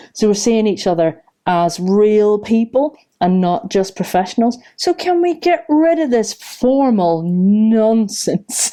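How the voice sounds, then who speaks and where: A woman speaks with a Northern Irish accent and a dark, mellow tone. Her pitch swings very widely. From Northern Ireland. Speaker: scientist and company founder. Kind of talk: podcast interview. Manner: animated.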